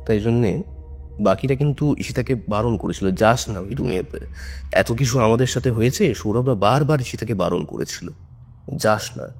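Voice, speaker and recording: Over background music, a man with a fairly low, darkish voice spins a suspenseful tale at a moderate pace, casual and conversational in the manner of a ghost story podcast. There is a little hiss or hum on the recording.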